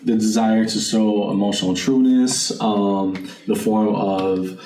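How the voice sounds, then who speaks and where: A somewhat low-pitched man hosts a casual tarot card reading. He speaks informally and directly to the listener, thinking aloud as he goes. The recording is echoey and a little distant from the mic. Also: fairly even intonation, slow, a little mellow. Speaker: tarot card reader and channel host. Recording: roomy, distant mic, faint background noise.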